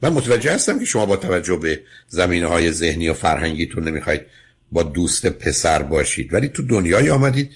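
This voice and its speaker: Radio advice host, male, very low and husky, firm and lecturing. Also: big pitch swings. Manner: firm, lecturing, interrupts with questions. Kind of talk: call-in advice counseling.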